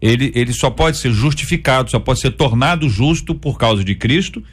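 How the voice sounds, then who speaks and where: A Brazilian man moderating a live gospel radio debate. He speaks in a friendly, probing way, often summing up what the guests said. His pitch sits mid-range for a man. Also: expressive, normal speed, husky. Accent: Brazilian Portuguese. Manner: friendly, probing, restates points.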